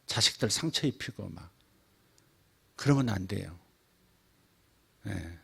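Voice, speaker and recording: A middle-aged man preaching a sermon as pastor, moving between quiet asides and loud, emphatic lines, sometimes acting out a child's prayer. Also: fairly low pitch, expressive, slow pace, gravelly, breathy edge.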